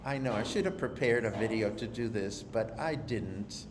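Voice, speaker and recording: A man's voice: fairly low pitch, animated, moderate pace. A man hosting a live interview show, playful and chatty, drawing out his phrases. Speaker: talk show host. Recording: echoey room with background noise.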